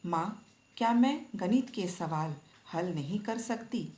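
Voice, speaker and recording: A woman's voice: medium pitch, lively intonation, slow pace, warm tone. A woman teacher voicing an unhappy young schoolgirl who struggles with maths, read plaintively from a storybook. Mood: upset, plaintive. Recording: echoey room.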